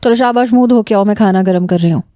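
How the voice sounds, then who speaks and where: A woman's voice: medium pitch, mellow, no room sound, close to an everyday voice. A woman voicing a caring, stubborn young woman who scolds with affection. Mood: teasing affectionate.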